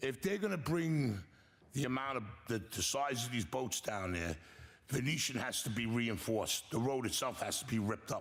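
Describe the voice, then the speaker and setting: A man speaks at a moderate pace in an American accent. His pitch is medium. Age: 60s. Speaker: resident speaking at public comment. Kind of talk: public comment at town meeting. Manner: halting.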